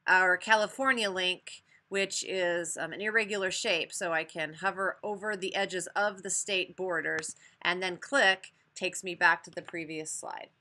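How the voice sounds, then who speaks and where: Bright-voiced American woman teaching software. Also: fairly low pitch, steady tone, unhurried, hardly any pauses. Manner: explanatory, step-by-step. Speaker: teacher presenting a webinar. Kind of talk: spoken software tutorial over screen demonstration.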